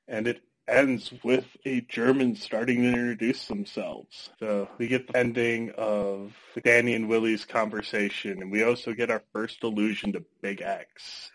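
A man co-hosting a movie podcast, opening with a brisk scripted intro and then chatting casually. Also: fairly low pitch, rough recording. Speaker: podcast co-host.

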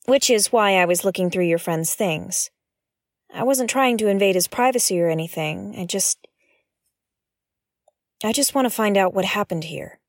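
A woman's voice: mid-range voice, normal speed, pauses often, no room sound, clean studio sound, close to an everyday voice. A woman playing a wary, frustrated investigative podcaster in an audio drama, speaking in a guarded, hesitant way. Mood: awkward, explaining. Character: wary, frustrated female investigative podcast host, dogged truth-seeker. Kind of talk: naturalistic audio fiction acting.

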